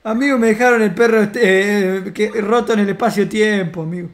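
A man with an Argentine accent, bantering loudly in slang while streaming a role-play game. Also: sits high, a little fast. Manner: loud, joking slang-heavy banter. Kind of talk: casual role-play chat.

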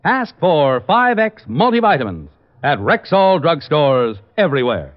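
An American man delivers an old-time radio commercial in announcer style. His voice is fairly high and lively in pitch, on a slightly dull vintage recording. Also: unhurried, over loud music. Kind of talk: 1950s radio advertisement, scripted announcer read.

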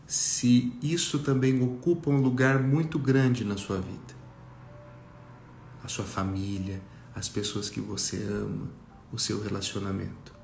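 A Brazilian man leading a guided meditation talk for a group, speaking reflectively with long pauses. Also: mid-range voice, vocal fry, a little mellow. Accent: Brazilian Portuguese. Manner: slow, pausing, reflective. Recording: roomy echo, faint music behind.

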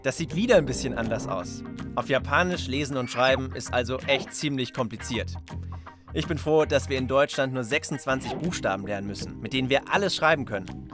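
With music underneath, a young man hosts a children's reportage, giving lively explanations and casual chat in short, simple sentences. He speaks briskly in a mid-range voice.

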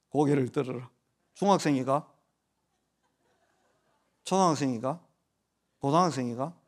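A pastor in his forties, speaking with a Gyeongsang Korean accent, delivers a sermon in the church sanctuary during worship while joking with the kids in the pews. His voice is mid-range with audible vocal fry.

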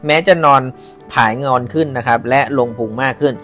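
Man, fast casual book reader who breaks in with chatty asides, light music under. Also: mid-range voice, bright, forceful tone. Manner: reads with chatty asides and exclamations. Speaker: book reader and podcast host. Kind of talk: casual audiobook reading.

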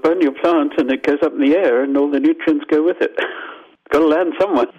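A man's voice: a little high, a little fast. Older man from Zimbabwe on a dull phone line. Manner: thoughtful, explanatory, restarts and lively asides. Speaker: scientist guest. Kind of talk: radio interview answers.

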